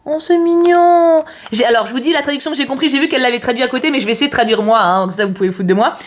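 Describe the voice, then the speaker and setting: Woman, YouTuber, casual unboxing chat, fairly high voice, exclamatory, thinks aloud. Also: racing. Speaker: YouTuber host.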